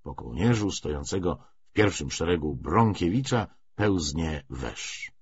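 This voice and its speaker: A man reading a literary audiobook as narrator, in an expressive scripted style. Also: deep voice, unhurried, husky, no echo, muffled recording.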